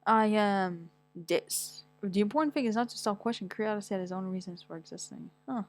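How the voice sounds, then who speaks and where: A woman's voice: mid-range voice, fairly quick, no echo. A young woman from Morocco chatting casually as a vlogger, rambling and blunt, swearing often as she reads things aloud and reacts to them. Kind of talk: casual chat, reading aloud.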